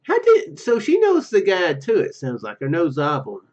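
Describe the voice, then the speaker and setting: A man doing a let's play, reading story text aloud haltingly and dropping in casual asides. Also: fairly high pitch, wildly swooping pitch, highs cut off. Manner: halting, stumbles over read words. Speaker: gaming YouTuber.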